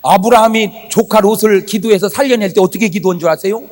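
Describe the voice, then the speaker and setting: A male pastor preaching a revival sermon to a congregation, animated, breaking into shouts and acted-out quoted prayers. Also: high-pitched, quick pace, long reverb tail. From South Korea. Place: church sanctuary before a congregation.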